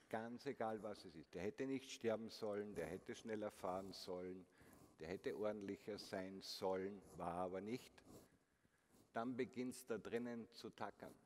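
A keynote speaker delivers a motivational conference talk from a large concert hall stage, addressing the audience directly with frequent rhetorical questions. His voice is lowish, a little slow, and a little mellow, with long hall reverb and faint noise.

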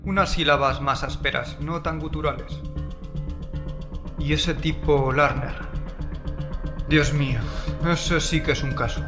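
A man's voice: on the high side, fairly even intonation, measured pace, long pauses, close to an everyday voice. A man playing a rattled male asylum nurse recounting a disturbing incident in an audiobook drama. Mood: uneasy. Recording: loud music under the voice. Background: loud background music.

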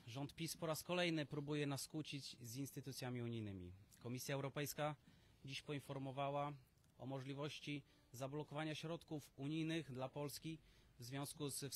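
A man delivering a brisk political appeal at an outdoor press conference into stand mics. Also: mid-range voice, a little hiss or hum. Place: outdoor terrace. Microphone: cluster of stand mics.

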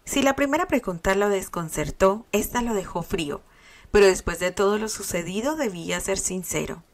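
Woman narrator reading a fan story, plain steady delivery. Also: medium pitch, moderate pace. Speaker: reader.

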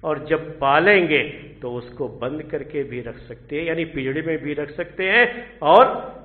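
A man giving a Friday sermon in a mosque, earnest and repetitive, now hushed, now loud. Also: on the high side, unhurried. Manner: earnest, repeating points and swinging from soft to loud. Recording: tinny phone-like audio.

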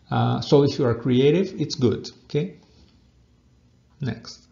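Man, English teacher, patient repetitive explaining, gravelly voice, muffled lo-fi sound. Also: on the high side, darkish tone. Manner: explains slowly and repeats example phrases, asking "okay?" often. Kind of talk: online English lesson. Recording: dull lo-fi recording.

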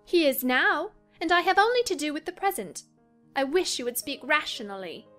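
A woman playing a willful, troubled young gentlewoman in a dramatized audiobook, earnest and dramatic. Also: high voice, big pitch swings, normal speed, voice pushed up, full character voice. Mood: stubborn. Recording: music under the voice.

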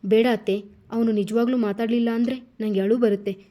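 A clingy three-year-old girl pleads through her tears in a storybook tale, voiced by a woman narrator. The tone is warm and mellow. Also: on the high side, steady tone, fairly quick, lightly acted. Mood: pleading. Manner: pleading, sobbing speech.

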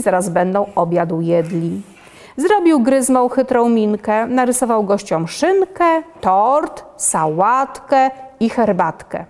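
Woman reading rhymes in a reverberant hall. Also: mid-range voice. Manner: lively, expressive storybook reading. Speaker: children's book reader. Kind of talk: reading rhymed children's poems aloud.

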